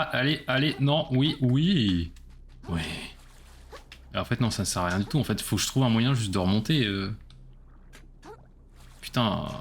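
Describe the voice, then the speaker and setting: A man's voice: fairly low pitch, a bit bright, slight background noise. A man casually commenting on his own gameplay during a live stream, chatty and self-mocking as he talks to his chat.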